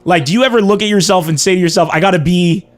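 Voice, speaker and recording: A man's voice: high voice, quick pace. A man hosting a podcast over a remote call, heaping praise on his guest and laughing often. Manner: effusive, flattering, laughs a lot. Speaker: podcast host. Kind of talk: casual podcast banter.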